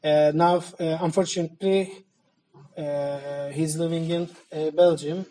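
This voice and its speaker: A man from Turkey, a native Armenian speaker, introducing the speakers at a meeting in slow English with many fillers. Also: fairly high pitch, fairly even intonation, mellow, slight background noise, rough recording. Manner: slow, halting speech with many fillers and shy laughs. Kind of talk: event introduction. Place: meeting hall.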